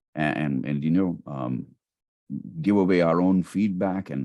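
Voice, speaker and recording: A man's very deep, low voice with a dark, mellow tone, lively intonation, and an Indian accent, at a fairly slow pace. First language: not English. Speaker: voiceover artist and competition judge. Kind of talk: panel discussion. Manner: halting, many repetitions.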